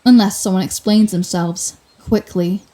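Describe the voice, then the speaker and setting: Woman as female supervillain for ASMR audio drama: soft-edged mellow tone, mid pitch, sarcastic, menacing, secretly caring. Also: steady tone, unhurried, close to an everyday voice, low-quality recording. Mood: taunting, menacing. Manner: taunting, theatrical, sarcastic. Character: sardonic female telepathic supervillain, menacing yet secretly compassionate.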